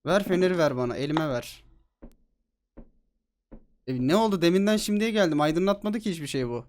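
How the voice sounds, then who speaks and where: A man giving excitable, joking let's-play commentary on a horror game, swearing freely. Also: fairly high pitch, brisk, a little hiss or hum. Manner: excitable, swears a lot, jokey. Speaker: gaming streamer.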